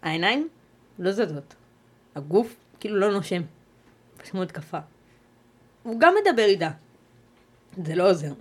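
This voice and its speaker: A woman, a guest on an interview podcast, recounting a personal ordeal in a measured, halting way, pausing and restarting as she goes. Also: mid-range voice, big pitch swings, slightly rough.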